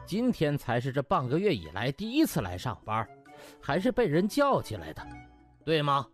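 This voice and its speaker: A man's voice: a little high, huge pitch swings, normal speed. A male narrator plays a hospital deputy director in an audio novel. He is stiff, pompous and coldly officious, keeping tight control over his words. Music plays behind him. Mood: cold, accusing. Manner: stiff, officious, throat-clearing.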